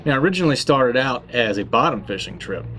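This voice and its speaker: A man's voice: mid-range voice, quick pace, over music. A man in his thirties, a tackle shop host, talking casually about fishing tactics with plenty of uh fillers. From Florida. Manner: relaxed and conversational, with many uh fillers and restarts. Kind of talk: casual fishing how-to talk.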